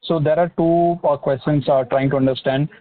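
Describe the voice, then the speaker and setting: A man with an Indian accent, a financial analyst asking questions on an earnings call in a halting, repetitive way. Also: fairly high pitch, steady tone. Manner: halting, hesitant, repetitive phrasing. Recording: narrow phone-line sound.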